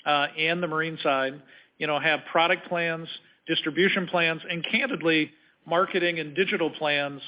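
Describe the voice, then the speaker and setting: A man speaking as a company executive on an earnings call, answering in measured, halting corporate phrasing. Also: on the high side, fairly even intonation. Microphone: conference call line. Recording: slightly dull conference call audio.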